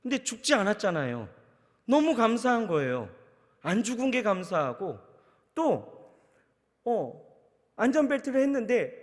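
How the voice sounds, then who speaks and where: A man in his thirties preaches in a church sanctuary, his fairly high voice carrying a long hall reverb. He tells a personal story in sermon style and acts out his own thoughts in lively asides. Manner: storytelling with acted inner monologue. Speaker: pastor.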